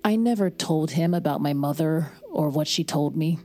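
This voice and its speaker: An actress playing a grieving young married woman who narrates her story quietly in an audio drama. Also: low voice, moderate pace, faint music behind. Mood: somber. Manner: quiet, somber, reflective. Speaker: narrator and lead character.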